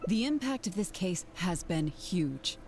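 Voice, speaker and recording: A woman's voice: fairly low pitch, big pitch swings, unhurried, darkish tone, a little hiss or hum. An actress playing a composed, confident undercover female investigator who talks in a cool, matter-of-fact way. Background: game music.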